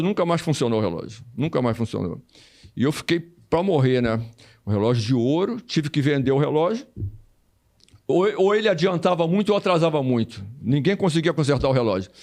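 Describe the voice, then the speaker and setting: The speaker is an older man, a former Brazilian footballer being interviewed, whose voice is a little high with a darkish tone. He spins his stories casually, often repeating phrases and performing the voices of people he quotes.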